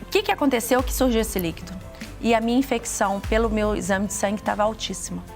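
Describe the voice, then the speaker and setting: Brazilian woman telling her testimony, kinda high and gravelly, stops and restarts a lot, faint music under it. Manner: earnest, halting, with many restarts. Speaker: guest giving a testimony. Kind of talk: emotional personal testimony.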